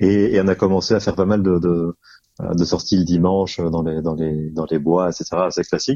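Very deep and low in pitch, a man's voice has a dark, mellow tone and fairly even intonation. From Belgium, Brussels. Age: 30s. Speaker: ultra-distance cyclist. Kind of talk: interview. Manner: halting, many filler words.

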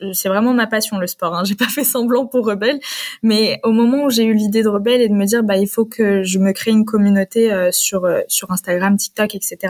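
A woman's fairly high voice at a fairly quick pace, with fairly even intonation. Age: 20s. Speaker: student and start-up founder. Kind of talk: interview conversation. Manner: hesitant, many fillers.

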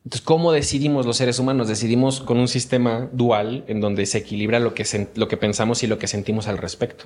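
A man rushes along at a very fast pace with hardly any pauses. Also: medium pitch for a man, fairly even intonation. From Mexico, Cuernavaca (Morelos). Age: 20s. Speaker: student leader. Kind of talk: casual chat.

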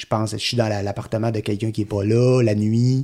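At a moderate pace, a man with a Quebec accent speaks in a dark, mellow tone with fairly even intonation. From Quebec, Abitibi (Rouyn-Noranda). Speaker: singer-songwriter. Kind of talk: casual interview.

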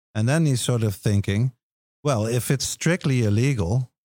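In a Dutch accent, a man speaks with a dark, mellow tone and ordinary pitch variation, recorded very cleanly against a silent background with a dry, close sound and no echo. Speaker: podcast host and cannabis journalist. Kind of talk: casual chat. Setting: Airbnb in Amsterdam.

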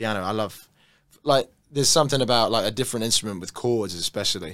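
A man speaks at a very fast pace. His pitch shows ordinary variation. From Hertfordshire, England. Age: 30s. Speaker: singer-songwriter. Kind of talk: casual chat. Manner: halting.

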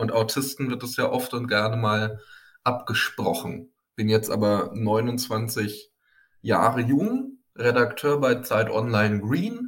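A man speaks very slowly at a medium pitch, somewhat breathy, with a slight Franconian accent. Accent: slight Franconian, noticeable in the R. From Germany, rural Upper Franconia. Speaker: journalist. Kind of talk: personal interview conversation.

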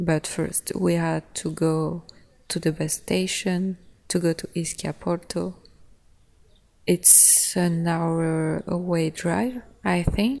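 With a French accent, a woman speaks at a very slow pace. Her voice has a dark, mellow tone and a fairly low pitch. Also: ordinary pitch variation. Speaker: podcast host. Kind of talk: casual solo monologue about a trip.

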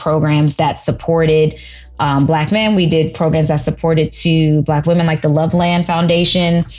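A woman with a New York accent speaks at a very deep, low pitch in a monotone, flat way. Noticeable background noise is present. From US, New York (Bronx). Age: 30s. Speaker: life and confidence coach. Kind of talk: podcast interview.

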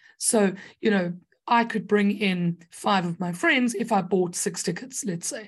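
A woman's somewhat breathy voice, medium in pitch, fairly slow, with ordinary pitch variation. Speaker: podcast host. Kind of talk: casual chat.

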